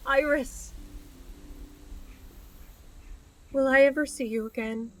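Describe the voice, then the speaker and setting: A woman's voice: high voice, fairly even intonation, moderate pace, close to an everyday voice, poor audio. A woman playing a devoted, steadfast woman in love, speaking earnestly and reassuringly in an intimate audio drama. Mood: wistful.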